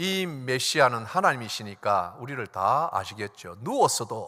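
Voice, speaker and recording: A man's medium-pitched, bright and sharp voice with very wide pitch swings, at a fairly slow pace, in a very clean recording with a silent background. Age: 60s. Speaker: pastor. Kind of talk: sermon. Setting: church service.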